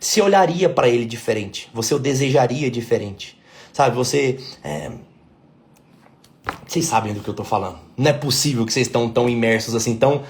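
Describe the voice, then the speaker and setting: A man's voice: mid-range voice, animated, brisk, slight background noise. A middle-aged Brazilian man, a couples therapist, giving a blunt, emphatic lesson to women, repeating his key points and checking that they follow. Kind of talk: talking-head lesson.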